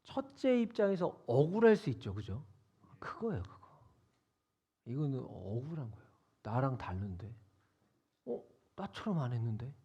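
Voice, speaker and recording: A man's voice: medium pitch, very animated, normal speed, pauses often, dark tone, slightly rough, highs cut off. A man preaching to teenagers as youth pastor in a casual, conversational way, quizzing his listeners and prompting them to repeat after him. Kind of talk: interactive youth sermon. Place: church sanctuary.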